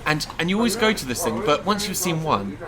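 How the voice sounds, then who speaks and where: A man's voice: fairly high pitch, very animated, brisk, a crowd in the background, poor audio. A man co-hosting a podcast in casual chat, chatty and giggly, rambling as he goes. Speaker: podcast co-host.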